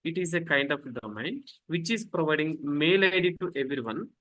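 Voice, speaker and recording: A man's voice: fairly high pitch, expressive, normal speed, highs cut off. A man teaching a live online class, repeating points, tacking "actually" onto sentences and asking students to answer back. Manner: repetitive, fillers like "actually", quizzes students. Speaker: instructor. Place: home, rain outside.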